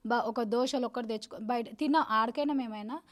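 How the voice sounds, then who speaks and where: A woman, talking in an interview, rapid and insistent, repeating herself as she tells what happened. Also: fairly high pitch. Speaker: victim's sister interviewed. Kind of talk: emotional interview testimony.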